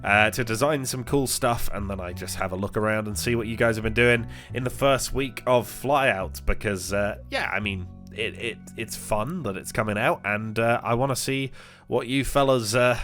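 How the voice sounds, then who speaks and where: A man with a fairly low voice talks through his gaming session in a loose, rambling way, full of "uh"s and restarts. He sounds a bit congested from a recent illness. Soft guitar music plays quietly behind him. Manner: rambling, many fillers and restarts. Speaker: gaming channel host. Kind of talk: casual gameplay commentary.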